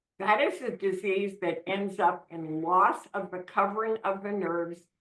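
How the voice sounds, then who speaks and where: Here is a woman with an ordinary speaking voice and a medium pitch. Her intonation is fairly even and her pace fairly slow. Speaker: veterinarian and canine genetics expert. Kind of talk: webinar lecture. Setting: online webinar.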